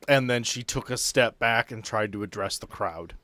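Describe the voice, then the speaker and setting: A man's voice: on the low side, normal speed, bright, forceful tone, no room sound. A man running a tabletop game as game master, improvising narration in a casual way.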